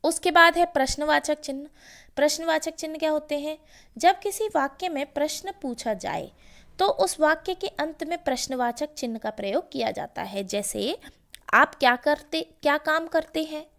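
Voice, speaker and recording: A woman teacher giving a grammar lesson, explaining slowly and asking questions before each example. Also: sits high, gravelly, fairly bright tone.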